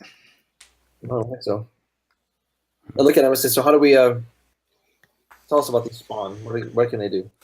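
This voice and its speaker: A man playing a tabletop game, asking questions quickly and eagerly. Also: medium pitch, a little mellow, rough recording. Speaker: player. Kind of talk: casual tabletop play.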